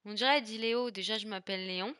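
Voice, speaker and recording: A woman's voice: medium pitch, racing. Young French woman gamer, slightly sick and congested, talkative, swears, noisy background. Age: 20s. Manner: chatty, swears a lot, loud outbursts. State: stuffy nose, a little sick. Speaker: gaming streamer. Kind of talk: casual let's play commentary.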